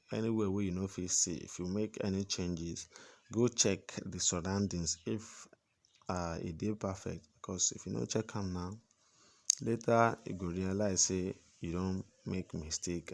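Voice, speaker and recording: Deep-voiced man teaching in West African Pidgin. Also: creaky. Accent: West African, Pidgin English. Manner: speaks in West African Pidgin, explaining patiently and repetitively. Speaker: tutorial instructor. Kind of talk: informal step-by-step software tutorial narration.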